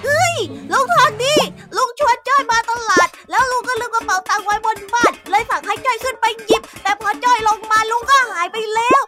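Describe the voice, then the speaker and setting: A cheeky child nephew from a children's radio play, voiced by a woman. The voice sits very high and whines defensively, arguing back. Music plays clearly beneath it. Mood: indignant. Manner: whiny, defensive, quick to argue. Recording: music playing underneath.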